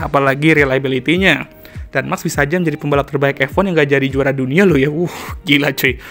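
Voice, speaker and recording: Vlogger, male, slightly hoarse, quick and somewhat high, music bed underneath. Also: a bit bright. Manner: chatty, slangy Jakarta-style casual talk. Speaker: F1 commentary YouTuber. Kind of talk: casual vlog commentary. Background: background music.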